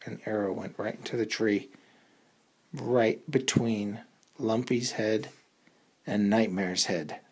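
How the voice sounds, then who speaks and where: A woman's voice: rumbling low, steady tone, takes it slowly, pauses often, darkish tone, breathy edge. A woman telling a suspenseful bedtime story for children in a dramatic, improvised way, repeating words for effect.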